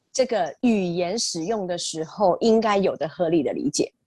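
A woman at a fairly slow pace, in a dry, close sound with no echo. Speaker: English teacher and education professor. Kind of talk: online seminar talk. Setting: online webinar.

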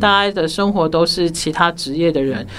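The woman keeps a moderate pace while noticeable background noise carries on. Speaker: radio co-host. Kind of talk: casual chat. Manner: fluent.

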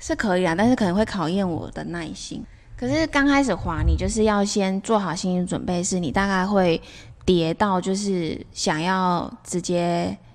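Over a quiet background, a woman with a plain, everyday voice speaks at a moderate pace and medium pitch, with ordinary pitch variation. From Taiwan, Taichung. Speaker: podcast co-host. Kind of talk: casual chat. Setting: recording on location in a basement.

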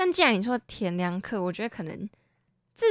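Recorded very cleanly against a silent background with a dry, close sound and no echo, a woman with an ordinary speaking voice at medium pitch talks at a fairly quick pace with lively intonation. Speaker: student podcast co-host. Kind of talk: casual chat.

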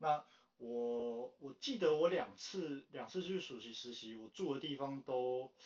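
Very slowly, a man speaks at a fairly high pitch with lively intonation. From Taiwan. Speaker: podcast co-host. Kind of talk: casual chat.

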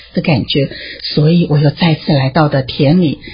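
A woman speaks at a moderate speed, with noticeable background noise around her. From southern Taiwan (Pingtung, rural). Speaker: organic farmer and nature guide. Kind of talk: interview.

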